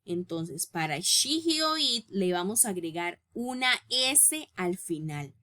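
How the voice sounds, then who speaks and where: Slow, bright-voiced woman teaching English. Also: on the low side, very animated. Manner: patient, explains step by step, checks in with "¿ok?" and "¿ves?"; reads English rules slowly and deliberately. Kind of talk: recorded grammar lesson.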